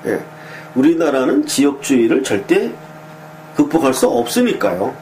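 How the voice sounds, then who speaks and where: A man's voice: medium pitch, very animated, normal speed, a little mellow, slight background noise, low-quality recording. A man giving casual political commentary in a conversational way, with many fillers and small affirming asides, and voicing pointed, critical opinions.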